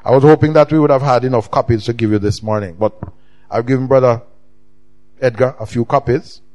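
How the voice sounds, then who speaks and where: A middle-aged man with a Jamaican accent, preaching a sermon with emphatic swings in pitch and loudness. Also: a little fast, lo-fi sound. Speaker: pastor.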